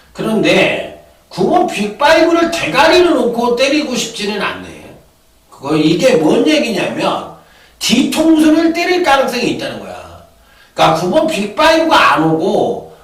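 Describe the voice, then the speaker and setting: A man giving horse racing betting tips in a loud, profane manner, often acting out voices and chants. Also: sits high. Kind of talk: casual betting tip broadcast. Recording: echoey, from far off the mic.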